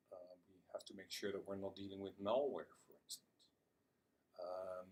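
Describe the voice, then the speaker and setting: A man giving an explanatory presentation as a conference speaker, with deliberate, halting phrasing and repeated words. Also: on the low side. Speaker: conference speaker on internet security. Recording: distant microphone.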